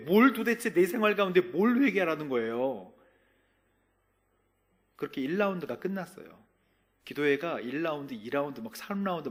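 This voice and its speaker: A middle-aged man, a pastor, preaching a sermon with emotional storytelling that moves from soft whispers to loud, emphatic preaching. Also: mid-range voice.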